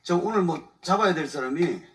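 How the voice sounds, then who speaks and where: Male lawyer at a church testimony, high bright voice, chuckling, casual and aggrieved, picked up by a distant mic. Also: lively intonation, brisk. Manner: colloquial, chuckles often, aggrieved storytelling. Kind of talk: animated testimony talk. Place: church evening service before a congregation.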